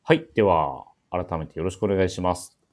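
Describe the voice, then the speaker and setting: Guy hosting a casual radio talk show, really low voice. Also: brisk, darkish tone.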